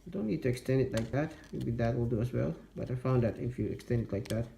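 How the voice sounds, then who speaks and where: A man slowly talking through a toy transformation step by step, muttering to himself as he works. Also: medium pitch, creaky. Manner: slow, step-by-step instructional talk, muttering to himself. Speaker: toy reviewer. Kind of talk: hands-on toy transformation demo. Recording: echoey room with background noise.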